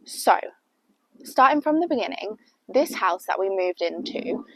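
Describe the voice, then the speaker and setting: A woman's voice: mid-range voice, animated, a little slow, a bit bright, a little hiss or hum, low-quality recording. Sniffly British woman telling a story. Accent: British English. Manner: chatty and rambling, heavy use of "like". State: sniffly from a cold. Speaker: vlogger. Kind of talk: casual storytime chat.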